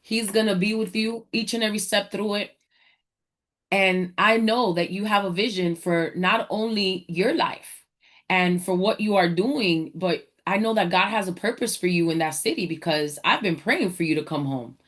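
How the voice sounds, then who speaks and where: A woman's voice: medium pitch, moderate pace, a bit bright, close to an everyday voice. A woman voicing her devout mother, a single mom of three, firm and preachy while reassuring her daughter. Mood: firm, encouraging.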